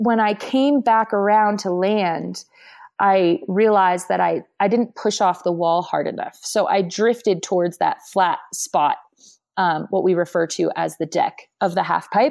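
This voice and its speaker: With a normal speaking voice, a woman of medium pitch talks at a fairly slow pace with ordinary pitch variation on a very clean recording with a silent background. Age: 30s. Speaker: retired pro skier. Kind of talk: interview.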